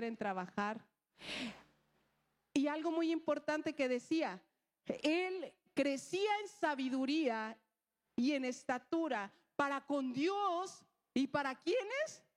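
A woman preaching a sermon, mixing a personal story with rhetorical questions and acted-out dialogue. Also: high-pitched.

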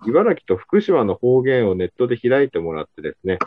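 A man from Ibaraki with a thick local accent hosts a casual podcast, joking and laughing often. His voice is husky and lively, and he talks at a rapid clip. The recording is dry and a little dull. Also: mid-range voice, dry recording. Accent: Ibaraki dialect. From Ibaraki, Japan. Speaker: podcast host.

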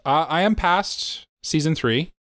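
A young man co-hosting a casual podcast, animated and quick to laugh. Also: fairly high pitch, no echo, studio quality. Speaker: podcast co-host.

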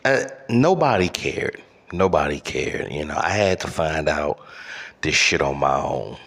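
A man's voice: extremely low pitch, a little slow, gravelly, a bit bright. A man hosting a podcast, delivering a profane, exasperated comedic rant with stammered repeats. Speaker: podcast host.

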